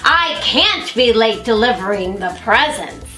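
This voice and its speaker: A woman reading the lines of a hurried, flustered old Santa in a children's storybook. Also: on the high side, animated, bright, forceful tone, reverberant, soft background music. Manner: flustered, exclaiming.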